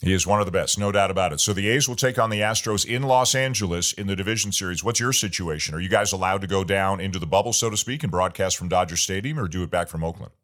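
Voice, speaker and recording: A man hosting a baseball interview show, talking in a relaxed, opinionated way with easygoing asides between his questions. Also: deep voice, fast, few pauses. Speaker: podcast host.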